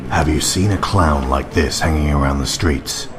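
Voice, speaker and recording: An actor playing a grim, commanding masked vigilante in a radio drama, terse and menacing. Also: male voice, very deep voice, moderate pace, background noise.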